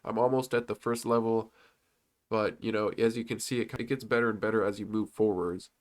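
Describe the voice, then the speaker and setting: A man's voice: lowish voice, fairly even intonation, a little fast. Congested man talking through stock slides. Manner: loose and rambling, with many fillers and restarts. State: congested from a cold. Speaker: stock commentary YouTuber. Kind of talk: casual commentary over on-screen slides.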